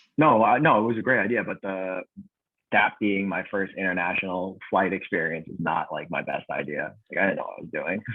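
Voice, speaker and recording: A man with an ordinary speaking voice talks at a fairly quick pace, his pitch fairly low and its variation ordinary. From New York, Brooklyn. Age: 20s. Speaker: accountant, podcast guest. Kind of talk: casual chat.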